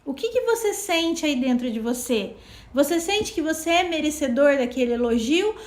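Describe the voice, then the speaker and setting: A woman's voice: high voice, moderate pace, echoey room. A woman co-hosting a self-help live talk, casually explaining and acting out little dialogues. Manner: animated, acts out little dialogues. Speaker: co-host of a self-knowledge live.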